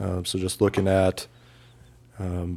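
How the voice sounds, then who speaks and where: A man speaks with a very deep, low pitch. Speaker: healthcare worker, military reservist. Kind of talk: casual chat, podcast interview.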